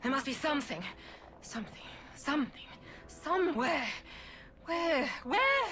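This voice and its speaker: Haughty female Sith lord, video game, high bright voice, disdainful clipped delivery, music behind. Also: sing-song, a little slow, exaggerated voice. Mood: searching. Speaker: game voice actor.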